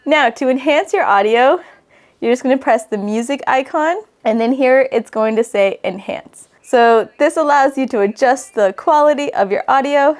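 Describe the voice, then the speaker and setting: A woman's voice: high voice, normal speed. A woman host presenting a tutorial in an instructive, conversational way, as an online educator. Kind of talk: tutorial narration to camera.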